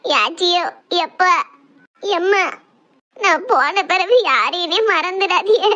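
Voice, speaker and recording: A woman's voice: extremely high pitch, lively intonation, slow pace, bright, forceful tone, dull audio, exaggerated voice. A woman voicing a tearful young village bride, who pleads as she talks about leaving home. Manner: pleading, weepy.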